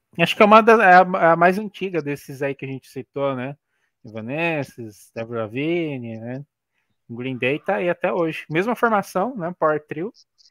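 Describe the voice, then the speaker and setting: Very wide pitch swings and big swings in loudness at a moderate pace, dry with no echo against a quiet background. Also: man, fairly high pitch for a man. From Brazil. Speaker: YouTube channel host. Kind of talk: casual chat. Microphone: video call.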